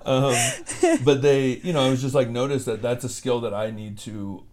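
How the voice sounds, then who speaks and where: A man's voice: medium pitch, little pitch movement, normal speed, a little mellow. A man co-hosting a podcast in a candid, self-reflective, casual chat style. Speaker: podcast co-host.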